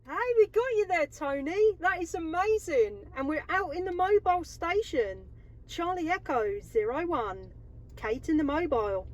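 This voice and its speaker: A woman's voice: very high-pitched, animated, moderate pace, no room sound, lo-fi sound. A woman radio operator making call-outs and exchanges from a mobile CB station. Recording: noisy CB radio transmission.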